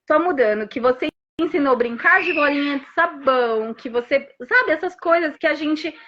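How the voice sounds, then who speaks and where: A mother in her thirties giving an emotional testimony about her son, talking in animated bursts with restarts. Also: high-pitched. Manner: animated storytelling with frequent restarts and rapid asides. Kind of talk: emotional personal testimony on a live stream. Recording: dull lo-fi stream audio.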